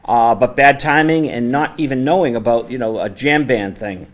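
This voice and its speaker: A man hosting a casual studio interview, speaking with a naturally loud, conversational voice into a microphone set on the table. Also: mid-range voice, moderate pace. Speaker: host. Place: community access TV studio.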